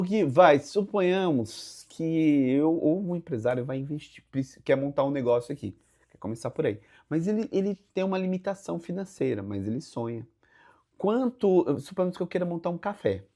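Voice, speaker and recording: A man's voice: on the high side, dark tone. A Brazilian man with a Brazilian Portuguese accent hosting a podcast, reacting with exclamations and asking hypothetical questions. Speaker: podcast host. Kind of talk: casual podcast interview.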